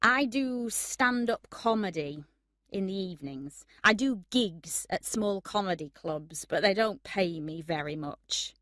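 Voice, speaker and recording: A woman voicing a quick young male comedian. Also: medium pitch, animated, sharp tone, no room sound, studio quality. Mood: casual. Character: young male stand-up comedian, new waiter.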